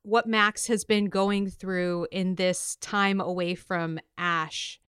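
Very clear, smooth woman hosting. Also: lowish voice, steady tone, slow, fairly bright tone, no room sound, clean studio sound. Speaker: podcast host and interviewer. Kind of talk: conversational podcast interviewing.

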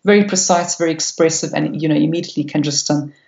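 Hesitant woman guest, gravelly and flat. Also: sits low, fast. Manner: hesitant, many fillers, enthusiastic. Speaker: podcast guest. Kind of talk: technical interview answers. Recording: echoey room, dull lo-fi sound.

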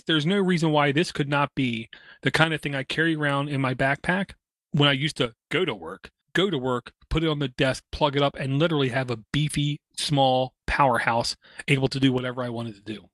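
A man's voice: mid-range voice, a bit bright, no echo, studio quality. A man talking casually about hardware as a podcast co-host, enthusiastic and fond of homespun comparisons. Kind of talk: casual tech chat.

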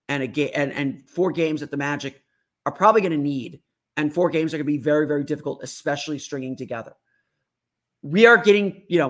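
Hoarse man talking basketball. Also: on the high side. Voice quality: raspy. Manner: rambling, repeats words and restarts. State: hoarse, under the weather. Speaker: sports podcast host. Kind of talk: casual sports talk.

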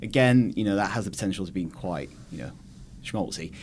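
A man's voice: sits low, fairly quick, slight background noise. A British man chatting casually about video games as a podcast guest, explaining things in a thoughtful way. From United Kingdom. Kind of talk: casual game discussion.

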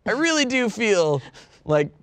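A man's voice: sits high, big pitch swings, measured pace, fairly bright tone, smooth, no echo. A man hosting a podcast, chatting casually and animatedly with lots of fillers. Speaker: podcast host. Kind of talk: casual chat.

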